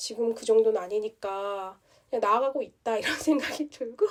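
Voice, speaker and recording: The speaker is a woman. Her pitch rises and falls across a very wide range. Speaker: podcast host. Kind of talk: casual solo podcast talk.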